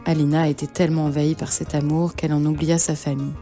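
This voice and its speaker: A woman's voice: sits low, little pitch movement, quick pace, mellow. A woman reading a scripted fairy tale as storyteller, telling it in the third person. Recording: music behind the voice. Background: background music.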